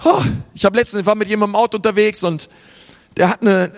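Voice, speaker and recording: A man's voice: sits high, fairly even intonation, fast talker. A man preaching a sermon in a casual, conversational way, acting out the thoughts of his listeners. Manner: casual, conversational, acts out inner voices. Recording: reverberant hall.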